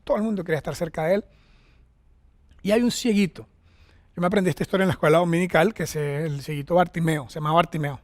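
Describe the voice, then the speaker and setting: A man from Venezuela preaching a sermon as pastor, telling a story with animated voices and asides to the congregation. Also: a little high, fast talker, dry recording, clean studio sound. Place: Costa Rica church setting.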